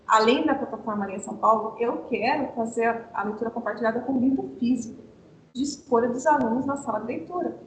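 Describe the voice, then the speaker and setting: A Brazilian woman explains classroom methods to teachers over a video call, asking questions and then answering them herself. Her voice sits a little high. The sound is roomy and echoey, with a faint low rumble underneath. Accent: Brazilian Portuguese. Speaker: teacher trainer. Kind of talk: online teacher training talk.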